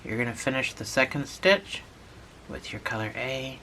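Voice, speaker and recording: A channel host talking through a lesson step by step, patient and repetitive, a little hoarse from a cold. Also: mid-range voice, animated, normal speed, sharp tone. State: has a cold, losing voice. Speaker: instructor. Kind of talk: step-by-step tutorial narration.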